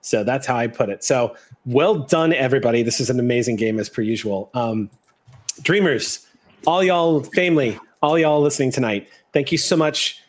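Man, game master, casual post-game chat, medium pitch, effusive praise. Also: lively intonation, normal speed. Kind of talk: casual wrap-up talk after a tabletop game.

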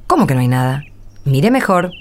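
An actress with an Argentine accent playing a playful, firm, kindly nun in a radio drama. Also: female voice, sits low, sing-song, moderate pace. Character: playful, brisk religious sister, kindly and firm. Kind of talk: radio drama acting and narration.

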